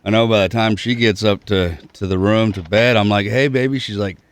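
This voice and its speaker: A man's voice: lowish voice, steady tone, fairly quick, no echo. A man co-hosting a podcast in a laid-back, slangy, casual chat style. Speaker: podcast co-host.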